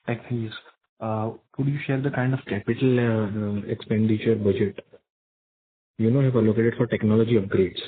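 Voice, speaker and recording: A man's voice: on the low side, steady tone, normal speed, slight background noise. Man calling on a tinny phone. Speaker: individual investor calling in. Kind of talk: asking questions on an earnings call. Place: phone call. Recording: tinny narrow phone line.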